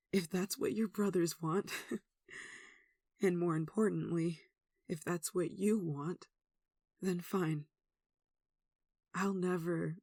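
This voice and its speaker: A performer playing a devout, tender human devoted to a demon in an ASMR roleplay, speaking softly and earnestly with emotion. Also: mid-range voice, vocal fry, husky, no echo, clean studio sound, heavily acted. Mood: surprised, hopeful, then devoted, relieved. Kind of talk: ASMR roleplay, one-sided dramatic dialogue.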